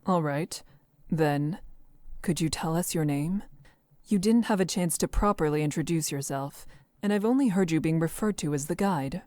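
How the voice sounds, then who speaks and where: Woman acting resolute female traveler, low-pitched, polite, earnest, dry studio sound, game dialogue. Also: moderate pace, darkish tone, no echo, close to an everyday voice. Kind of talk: visual novel voice acting.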